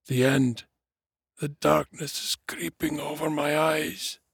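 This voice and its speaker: A man voicing an old male dwarf from a fantasy storybook, weak and croaking, irritable and full of self-pity. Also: fairly high pitch, flat delivery, takes it slowly, dry recording, studio quality, pitched above the performer's own voice, exaggerated voice. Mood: weak, mournful. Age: older.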